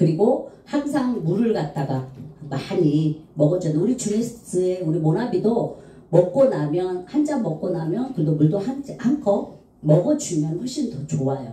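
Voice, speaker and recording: Amid noticeable background noise and audible room echo, a woman at a medium pitch speaks fairly slowly with very wide pitch swings. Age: 60s. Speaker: sales seminar speaker. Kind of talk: sales seminar talk. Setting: seminar with audience. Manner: conversational, casual.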